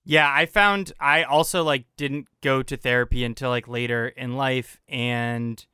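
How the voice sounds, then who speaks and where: Bright, crisp-voiced reflective man. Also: mid-range voice, steady tone, unhurried, no room sound, studio quality. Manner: reflective, filler-heavy "like". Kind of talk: casual conversation.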